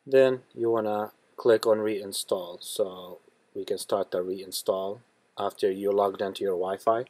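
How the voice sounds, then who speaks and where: Low-voiced man giving tech tutorial. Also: fairly even intonation, a little slow, a little mellow, no room sound. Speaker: tutorial host. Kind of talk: step-by-step tech tutorial narration.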